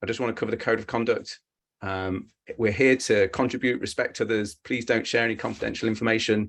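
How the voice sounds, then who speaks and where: Against a quiet background, a man at medium pitch talks at a fairly quick pace with fairly even intonation. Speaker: community event host. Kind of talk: event hosting announcements. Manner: fast.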